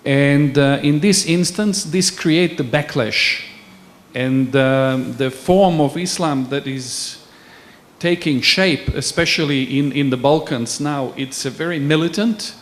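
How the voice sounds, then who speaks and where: A man from Bosnia, asking a panel a long, measured question from the floor. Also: on the high side. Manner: measured, searching for words. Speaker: audience member asking a question.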